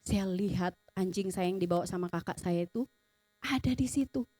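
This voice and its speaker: A woman's voice: medium pitch, moderate pace, dark tone, no room sound. A woman preaching at a youth service, telling a personal testimony in an earnest, emotional way and pressing her points with rising emphasis. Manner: earnest and emotional, tells stories vividly.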